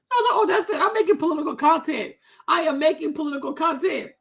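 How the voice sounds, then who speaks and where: A woman doing casual reaction commentary on a video, exclaiming loudly and laughing often. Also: high-pitched, creaky.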